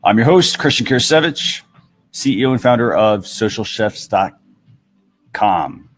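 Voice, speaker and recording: A man's voice: fairly low pitch, lively intonation, a little slow, slightly rough. A man presenting a live talk show as its host in a casual, conversational style.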